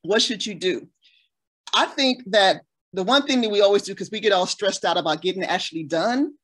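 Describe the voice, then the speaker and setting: Woman in a panel chat, earnest and practical, mid-pitched voice. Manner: earnest, practical, advice-giving. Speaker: audio drama creator. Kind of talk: casual panel advice.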